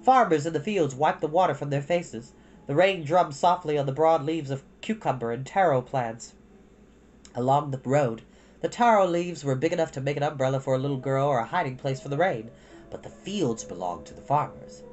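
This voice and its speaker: A woman reading a children's storybook aloud in an expressive narrating style. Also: sits low, normal speed, lo-fi sound. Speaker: storytime reader.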